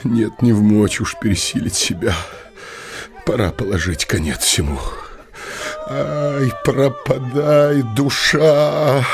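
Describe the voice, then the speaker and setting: Brooding lovesick young blacksmith, slow and gravelly. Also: male voice, mid-range voice. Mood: anguished despair. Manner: dramatic, musing aloud to himself. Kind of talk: theatrical audio drama monologue.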